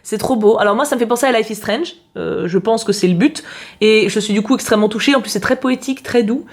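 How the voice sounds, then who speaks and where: A woman's voice: a little high, fast. A woman talking casually as she unboxes a parcel on camera, chatty and exclamatory, thinking aloud as she goes. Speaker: YouTuber host.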